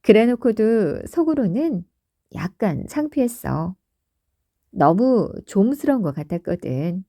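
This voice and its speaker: A woman tells a bedtime story in a soft, soothing voice that lilts up and down. She speaks very slowly, with a dark and mellow tone. She sits close to the mic in a dry, dead room. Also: mid-range voice, no echo. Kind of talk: calm bedtime story narration.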